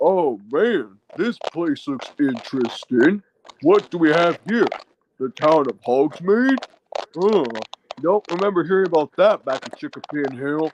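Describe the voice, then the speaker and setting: Speaking fairly slowly, a man uses a put-on character voice pitched high. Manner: curious, wondering.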